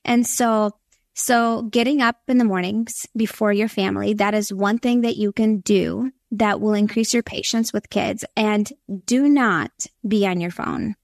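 A woman's voice: mid-range voice, fairly even intonation, measured pace, vocal fry, no room sound, studio quality. A young woman from Latvia with a Minnesota accent, a podcast guest giving earnest, encouraging advice on parenting. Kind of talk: conversational interview.

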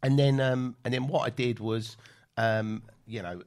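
A middle-aged southern English man with a creaky, gravelly edge to his voice. He tells anecdotes in loose, chatty conversation, often acting out what people said. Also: mid-range voice, steady tone, unhurried. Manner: chatty, sweary storyteller, acting out remembered exchanges. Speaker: podcast guest, event promoter and film producer. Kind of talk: casual anecdotal chat.

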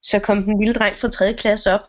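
A young woman telling an improvised story to a friend, acting out the characters' lines as she goes. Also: mid-range voice. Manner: animated, acts out the characters' lines. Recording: dull lo-fi recording.

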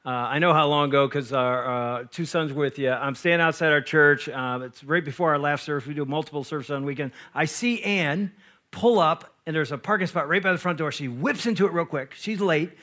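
A middle-aged pastor and marriage speaker telling stories to an audience, joking and acting out both sides of a quarrel. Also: male voice, a little high, fairly quick. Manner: animated, jokey, acts out both sides of quarrels. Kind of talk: lively storytelling talk to an audience.

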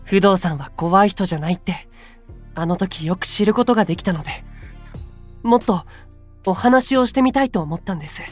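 A man's voice: sits high, brisk, soft background music. A man playing a timid, earnest young man in a voice drama, polite, deferential and hesitant. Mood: shy, sincere. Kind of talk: Japanese voice drama acting.

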